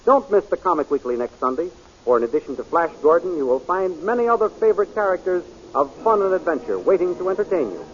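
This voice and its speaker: A man's voice: sits high, lively intonation, fast talker, slight background noise. A man giving dramatic scripted narration as a 1930s radio announcer. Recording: muffled 1930s radio recording. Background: music.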